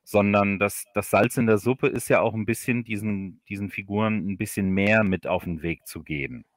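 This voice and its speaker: A man chatting casually as an interview guest, explaining things haltingly and repeating words as he thinks. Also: lowish voice, steady tone, dry recording, clean studio sound. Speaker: audio drama author, livestream guest.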